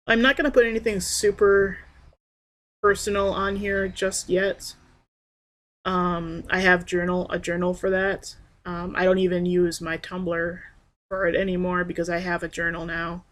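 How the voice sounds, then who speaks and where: A young trans man rambling in a personal video diary, hesitant and soft-spoken with frequent pauses and restarts. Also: high-pitched, level tone. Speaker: vlogger.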